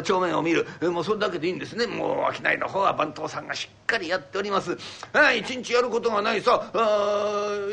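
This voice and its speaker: A man narrating a classic rakugo story in a lively, chatty way with formal endings. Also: sits high, gravelly. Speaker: rakugo performer.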